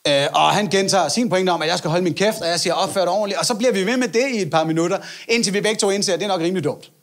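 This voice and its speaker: A man's voice: high-pitched, fairly bright tone. A male stand-up comedian telling a story in a chatty, self-mocking way and acting out the people in it.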